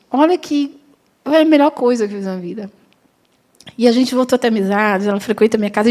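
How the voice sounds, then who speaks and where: Woman, high voice, middle-aged, lively classroom storyteller. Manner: animated storytelling, acts out dialogue. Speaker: spiritist course teacher. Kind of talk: classroom lecture with personal anecdote.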